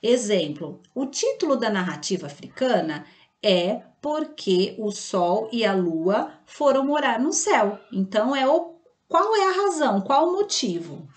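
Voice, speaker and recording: A Brazilian Portuguese-speaking woman teacher giving a slow, patient online grammar lesson to children, often checking in with the class. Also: on the high side, sing-song. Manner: patient, slow and didactic, checking in with "tá bom?" and "certo?". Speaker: primary school teacher.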